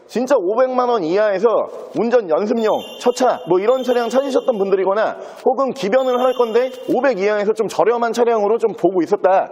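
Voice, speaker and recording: High-pitched man with fluent salesman patter. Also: a little mellow. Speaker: used car dealer presenting a car. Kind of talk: car sales walkaround video presentation.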